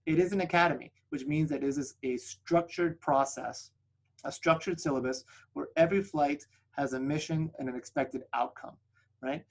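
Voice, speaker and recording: An upbeat man whose first language is Spanish walks listeners through his flight school on a video call. His voice sits a little high for a man, and he keeps tossing in a quick "right?" as he pitches. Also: poor audio. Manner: upbeat sales pitch, frequent tag "right?". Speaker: flight school representative presenting a webinar. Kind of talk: presenting slides on a video call webinar.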